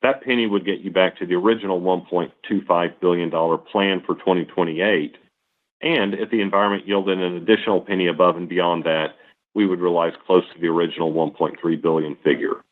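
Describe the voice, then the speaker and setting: A middle-aged man reading a prepared corporate presentation in a formal, measured manner over a conference-call line. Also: deep voice, steady tone. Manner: formal, measured, enumerating points. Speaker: company executive on earnings call. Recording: narrow, tinny phone-line sound.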